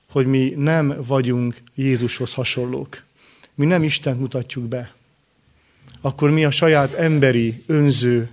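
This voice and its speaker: A man preaching a sermon in short, earnest phrases with rhetorical questions and pauses. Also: medium pitch, darkish tone.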